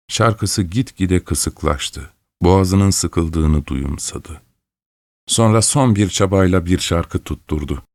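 Deep-voiced man narrating a fairy tale. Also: no echo, studio quality. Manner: measured, expressive. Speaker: storyteller. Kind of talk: storybook narration.

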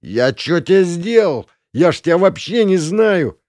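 Casting: man doing a spoiled, drunk young brat, high, whiny and brash, very lively. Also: unhurried, no echo, studio quality. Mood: indignant.

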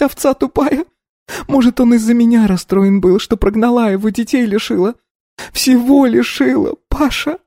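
A man's voice: very high voice, dry recording, clean studio sound, pitched above the performer's own voice. A man doing a hysterical sobbing young woman. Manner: wailing, sobbing, shouting.

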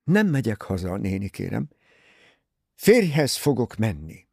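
A man's voice: on the low side, very animated, vocal fry, a little mellow, breathy edge, dry recording, clean studio sound, full character voice. A male reader voicing a self-willed young woman in an audiobook, answering in frank, matter-of-fact retorts. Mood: earnest.

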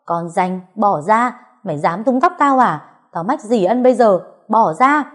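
A woman voicing a jealous, scheming young woman who whines and accuses in a high, shrill voice. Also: animated, normal speed, mellow, natural voice. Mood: shrill angry.

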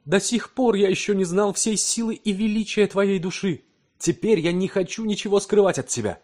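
A man's voice: high voice, moderate pace, darkish tone, pitched above the performer's own voice. A man voicing an anxious, obsessive scientist husband who speaks in urgent, tense outbursts. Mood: earnest.

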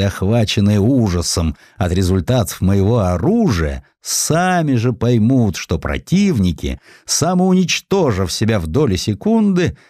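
A man's voice: mid-range voice, darkish tone, no room sound, studio quality, voice pushed up. Man playing a bitter, declamatory inventor, swooping intonation. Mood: scornful, grandiose. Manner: emphatic, declamatory, sardonic. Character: proud, misanthropic male inventor, bitter and cynical.

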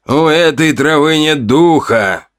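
A man voicing a slow, wondering tribal shaman. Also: medium pitch, fairly bright tone, clear, resonant tone, pitched above the performer's own voice. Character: cunning shaman, slow and doubting. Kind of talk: audiobook character voice.

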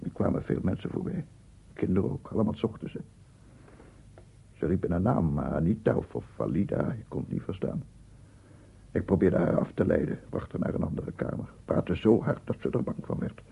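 An actor playing a weary, guilt-ridden writer who mutters to himself in halting, broken phrases in a radio drama. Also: male voice, low-pitched, lively intonation, heavily acted. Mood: anxious, guilty. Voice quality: husky, gravelly. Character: brooding, weary male writer tormented by guilt. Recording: muffled, phone-like archive radio recording.

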